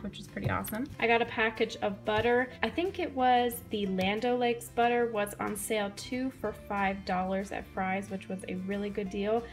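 A young woman talks through her shopping in a chatty, upbeat way, recorded on a handheld camera in a home kitchen. Her pitch sits in an ordinary middle range. Soft music plays faintly underneath. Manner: chatty, upbeat, lists items with prices. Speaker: vlogger showing a grocery haul. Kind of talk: casual chat.

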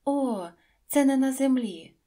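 Woman voicing the Little Prince, high and childlike. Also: lively intonation, slow, warm tone. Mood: earnest. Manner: high, earnest, wondering childlike voice. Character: small gentle boy prince, lonely and curious. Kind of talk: audiobook reading.

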